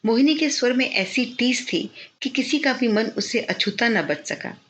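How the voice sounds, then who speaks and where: A woman reading a novel aloud as an audiobook narrator, measured and expressive. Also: fairly high pitch, slight background noise. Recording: slightly dull lo-fi recording.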